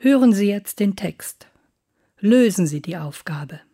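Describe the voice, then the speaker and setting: A woman reading scripted listening-test instructions in a measured, formal way. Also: medium pitch, lively intonation, mellow. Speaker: exam announcer.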